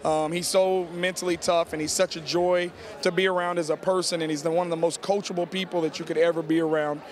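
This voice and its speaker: A man's voice: a little high, little pitch movement, quick pace. A middle-aged American man, a basketball coach, answering in a postgame interview on a handheld mic in an arena. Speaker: high school basketball coach. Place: on the court of a large indoor arena. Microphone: handheld reporter microphone held to him.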